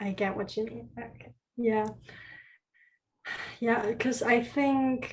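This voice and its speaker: Speaking at a very slow pace, a woman talks with a Chinese accent. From China. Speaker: art student. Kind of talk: interview. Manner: halting.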